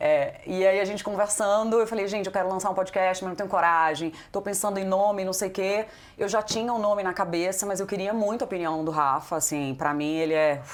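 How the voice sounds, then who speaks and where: This woman has a normal speaking voice at a medium pitch. She talks at a fairly quick pace. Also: ordinary pitch variation. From Brazil, Northeast. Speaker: podcast host. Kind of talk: casual interview.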